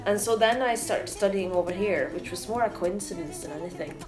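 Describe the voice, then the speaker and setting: A woman's voice: medium pitch, fairly quick, over music. Reflective woman musician, echoey room. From Sweden, raised in Norway. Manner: thoughtful, explaining. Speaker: folk musician, mandola player. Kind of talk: casual interview talk.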